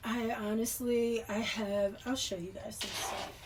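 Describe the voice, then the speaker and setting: Amid audible room echo, a woman with a fairly high pitch speaks at a fairly slow pace. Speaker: tarot reader. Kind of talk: casual spiritual monologue. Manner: animated.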